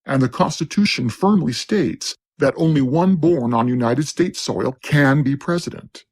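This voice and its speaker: A man reads a script aloud in a gravelly, fry-laced voice. His delivery is steady and declaiming. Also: mid-range voice, measured pace. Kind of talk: scripted narration.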